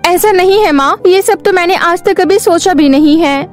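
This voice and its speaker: A high, girlish cartoon stepdaughter, played by a woman, sad and obedient. She speaks meekly and pleadingly, as if always wronged. Light music plays behind her. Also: moderate pace. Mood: hurt, protesting. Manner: meek, pleading, tearful when hurt. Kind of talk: cartoon moral story dialogue. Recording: faint music bed behind voice.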